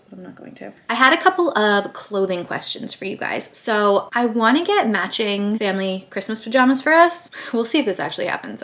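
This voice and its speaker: A woman's voice: mid-range voice, fairly bright tone. A young woman vlogger chatting casually at home while painting her nails, upbeat and rambling, a little out of breath. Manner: chatty, upbeat, rambling with frequent "like" and "I don't know". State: slightly out of breath. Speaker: beauty vlogger. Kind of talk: casual chat while doing a manicure. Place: dining room at home.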